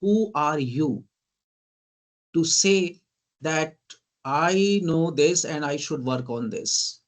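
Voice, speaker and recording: This guest lecturer, who has an Indian English accent, teaches online slowly in a voice on the high side with lively intonation. Terms come out in emphatic, listed bursts, and he repeatedly asks "right?" while often saying "ladies and gentlemen."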